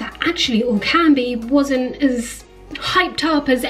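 Faint music plays behind a woman with a high-pitched voice. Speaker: vlogger sharing personal health experience. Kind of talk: casual vlog chat. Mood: earnest, reflective, animated. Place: kitchen. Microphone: phone near.

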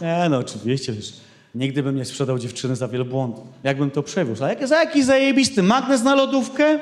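With a Polish accent, a man speaks in an animated tone at a fairly quick pace. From Poland. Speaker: stand-up comedian. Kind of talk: stand-up comedy routine with audience. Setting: stage with audience. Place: stage. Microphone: handheld.

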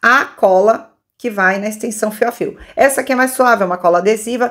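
A woman's fairly high, animated voice with lively intonation at a moderate pace over a quiet background. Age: 50s. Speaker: beauty vlogger and aesthetician; beauty vlogger. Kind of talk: beauty tutorial. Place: home room.

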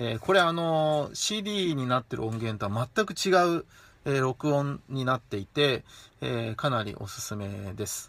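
The sound is dry, with no echo. A man speaks at a fairly slow pace with very wide pitch swings. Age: 40s. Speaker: internet business analyst; live streamer. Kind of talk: live stream talk. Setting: live video stream. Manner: many filler sounds. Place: home room. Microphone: phone near.

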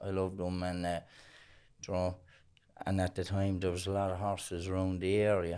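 A man with a Cork accent speaks at a very deep, low pitch in a dark, mellow tone, his intonation monotone and flat. His pace is fairly quick but broken by long, frequent pauses, against a quiet background. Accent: Cork Irish. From Ireland, Cork. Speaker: recovering addict. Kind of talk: casual chat. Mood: warm, reflective, smiling. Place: studio. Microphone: studio mic.

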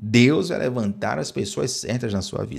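Speaking with a Brazilian accent, the voice has an animated tone and a moderate pace against a quiet background. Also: man. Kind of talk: morning devotional sermon. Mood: calm, earnest. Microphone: studio mic.

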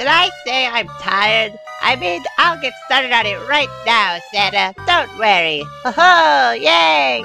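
Cartoonish character voice at a fairly high pitch and fairly slow pace, with clear music in the background

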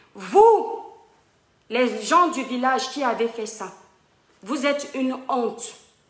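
A woman with a high-pitched voice talks very slowly, with audible room echo. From Cameroon. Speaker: social media activist; online commentator. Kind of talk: livestream commentary. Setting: Facebook live video. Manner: impassioned. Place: kitchen. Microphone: phone near.

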